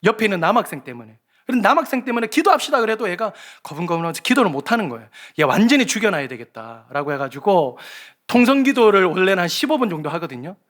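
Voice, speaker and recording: A male pastor giving a lively sermon, telling stories and acting out the voices of children and teachers. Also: high-pitched, racing. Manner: animated, acts out children's voices and shouts. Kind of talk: sermon with storytelling. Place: church sanctuary.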